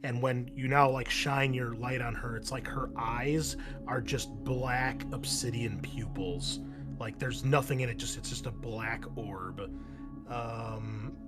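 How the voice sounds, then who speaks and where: A man running a tabletop horror game, narrating scenes in a halting, descriptive way as game master. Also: mid-range voice, fairly even intonation, loud music behind the voice.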